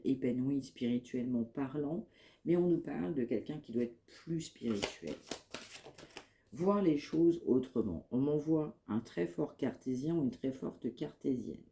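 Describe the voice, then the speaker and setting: A woman with a head cold giving a spoken psychic reading to her viewers, in calm, measured, repetitive phrasing. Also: rumbling low. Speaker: medium giving a card reading.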